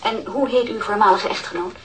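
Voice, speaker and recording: A woman acts out a police inspector in a radio drama. She questions formally yet considerately in a medium-pitched voice, over faint noise. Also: a little fast, natural voice, poor audio. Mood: gentle, formal. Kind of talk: naturalistic radio drama interrogation.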